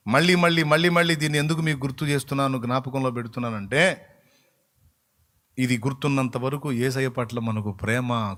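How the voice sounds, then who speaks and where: A man's voice: medium pitch, fairly bright tone. A male pastor, preaching a sermon in a colloquial, emphatic way and acting out bits of dialogue.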